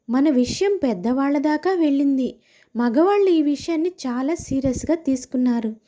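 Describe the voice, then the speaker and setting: A woman's voice: high-pitched, mellow, highs cut off. A woman voicing a sarcastic neighbor housewife who fires back retorts, in a cartoon story. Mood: conciliatory.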